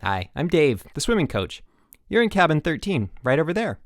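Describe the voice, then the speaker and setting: A man voicing a relentlessly cheerful, athletic young swimming coach in an audiobook, with a bright, eager manner. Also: a little high, big pitch swings, moderate pace, no echo, studio quality, voice pushed up. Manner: bright, eager, grinning delivery.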